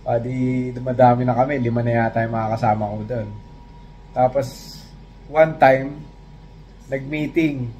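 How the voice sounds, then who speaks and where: A man's voice: medium pitch, steady tone, a little slow, pauses often, warm tone, dull audio, a little hiss or hum. Easygoing Filipino man chatting. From Philippines. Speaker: vlogger. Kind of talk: casual chat.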